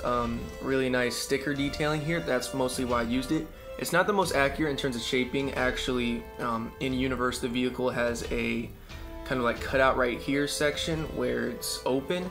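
A man's voice: mid-range voice, fairly bright tone. A young man giving a casual, unscripted showcase as a hobby presenter, talking in a hesitant, loosely worded way. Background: background music.

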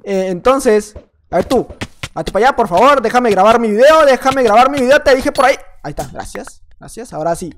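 A man's voice: extremely high pitch, animated, fairly quick, a little hiss or hum. A young man with a Mexican accent gives playful, chatty gameplay commentary, repeating his phrases as he plays. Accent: Mexican Spanish. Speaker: gaming YouTuber.

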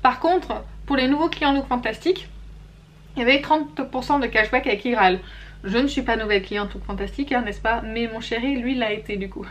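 A woman's voice: on the high side, moderate pace, a bit bright, slight background noise. Chatty woman reviewing beauty products. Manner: chatty and candid, with frequent fillers and self-corrections. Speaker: beauty vlogger. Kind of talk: casual monthly favorites and flops review.

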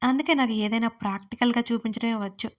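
A woman's voice: fairly high pitch, fast talker, lightly acted. Woman voicing a teasing, hot-tempered husband. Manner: teasing, then sharply scolding. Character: adult male husband, teasing but quick-tempered. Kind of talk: audio story reading.

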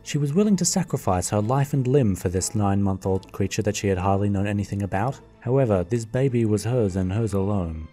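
A man narrates a fan radio play with wry, jokey asides. His voice is lowish and mellow. Faint music runs behind him. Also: brisk, hardly any pauses.

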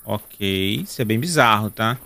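Gravelly Carioca man joking through a game. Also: on the low side, expressive, a little slow, bright, forceful tone, a little hiss or hum. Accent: Carioca, Rio de Janeiro. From Brazil. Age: 30s. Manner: joking, slangy, talks to viewers. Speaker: gaming video host. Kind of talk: casual gameplay commentary.

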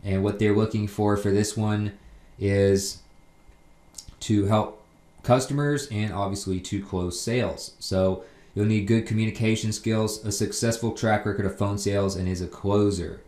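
A man's voice: fairly low pitch, fairly even intonation, unhurried, a little mellow, echoey room. A man hosting a job tips video, reading out listings and explaining them plainly in a casual narrating style.

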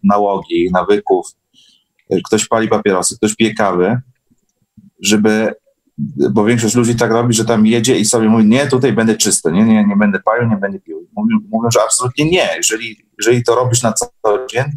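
A man talking casually as a guest in an online meeting, halting and repeating his words. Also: lowish voice, fairly even intonation, poor audio.

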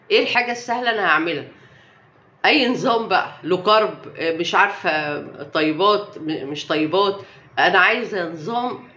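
A woman's voice: mid-range voice, fairly bright tone, lo-fi sound. Defiant Egyptian woman on an echoey live stream. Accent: Egyptian Arabic. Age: young adult. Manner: emphatic and defiant, with repeated rhetorical questions. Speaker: health vlogger. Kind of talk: casual live-stream talk.

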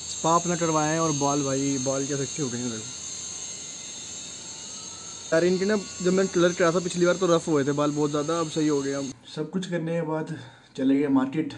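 A man's voice: on the high side, fairly even intonation, fast, a little hiss or hum. A man, chatting casually to a phone at arm's length as a travel vlogger. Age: 20s. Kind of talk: casual travel vlog chat. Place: plain rooms, rooftop, streets and shops.

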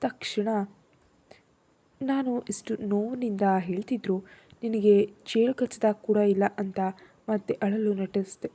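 A woman tells a romance story in the first person and acts out the heroine's every feeling. Her voice is very dark and mellow, with a husky grain. She reads it like a storyteller sharing a serial. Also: mid-range voice, fairly even intonation, unhurried, pauses often.

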